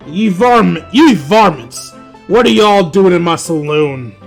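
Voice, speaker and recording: A man uses a put-on character voice, pitched high with very wide pitch swings. He speaks at a moderate pace over faint background music. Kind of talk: folksy, archaic. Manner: exaggerated cowboy drawl.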